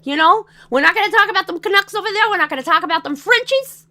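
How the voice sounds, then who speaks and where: A woman's voice: very high-pitched, lively intonation, fast talker, sharp tone, voice pushed up, exaggerated voice. A woman putting on a rowdy Canadian man from Ontario who rambles crudely with lots of fillers. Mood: rowdy, mocking.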